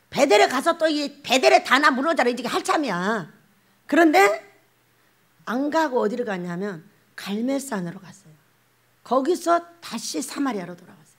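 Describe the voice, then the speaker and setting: Her voice sits high with a slight roughness as this woman pastor delivers a lively sermon. She laughs frequently and performs the voices of the people she quotes.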